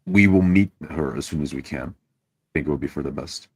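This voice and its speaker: A man's voice: rumbling low, brisk, darkish tone, slightly rough, no room sound. A man playing in a tabletop roleplaying game, speaking formally in character and narrating his own actions. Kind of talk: in-character roleplay mixed with first-person narration.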